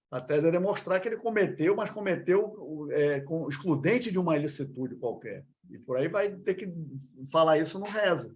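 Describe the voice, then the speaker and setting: A man with a Brazilian accent giving an exam-prep law lecture in a conversational way, often checking in with listeners and restarting his phrases. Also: fairly high pitch. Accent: Brazilian Portuguese. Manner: conversational, many fillers and checks like "tá ok?"; repeats points and restarts phrases. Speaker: law teacher.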